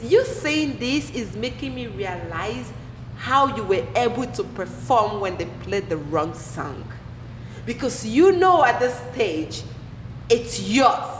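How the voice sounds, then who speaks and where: A woman's voice: a little high, a bit bright. A woman, hosting a casual interview, emphatic and enthusiastic. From Nigeria. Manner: enthusiastic, emphatic, laughs often. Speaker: podcast host. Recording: roomy echoey room, faint noise.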